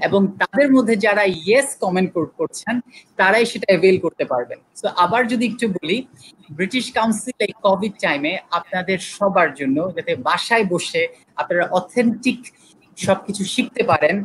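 A man with a high voice, ordinary pitch variation and light background noise. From Bangladesh. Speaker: athlete and library colleague; presenter. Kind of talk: live promotional chat. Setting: live social media stream. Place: home room. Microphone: video call.

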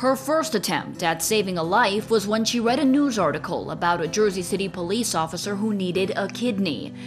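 Lively intonation from a woman at a moderate pace, music in the background. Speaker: news anchor. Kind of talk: TV news feature narration.

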